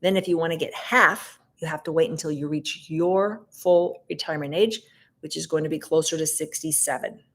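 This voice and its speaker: A middle-aged woman hosting a casual live Q&A, answering viewer questions in a brisk, direct way. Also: low-pitched, fairly even intonation.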